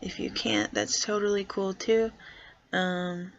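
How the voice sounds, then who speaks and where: A young trans guy vlogging casually and hesitantly, deliberately pushing his voice lower as he talks. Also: fairly even intonation, highs cut off, a little hiss or hum. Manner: hesitant, soft-spoken, consciously pitching voice lower. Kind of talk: casual first vlog.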